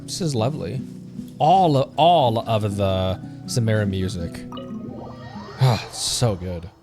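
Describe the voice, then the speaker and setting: A man's voice: lowish voice, slow. A man livestreaming a game, chatting casually and reading dialogue aloud in a playful way. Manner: playful, silly sound words, stumbles while reading. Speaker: streamer. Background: game music.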